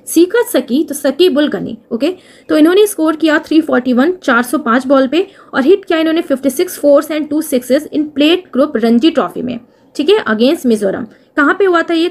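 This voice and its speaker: A woman teaching an exam-prep lesson with memory tricks. She asks and answers her own questions, says "okay" again and again, and reads the English phrases slowly. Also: sits high, darkish tone.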